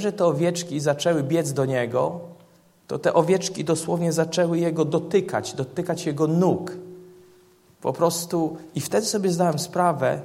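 Gravelly-voiced man preaching a sermon. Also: fairly high pitch, a little mellow. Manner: illustrates points with vivid retold stories.

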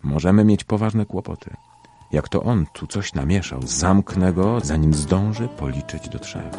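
A man's voice: low-pitched, lively intonation, a little slow, mellow, soft background music, voice pushed up. A man voicing a suspicious middle-aged police lieutenant in an audiobook story, asking curt, demanding questions.

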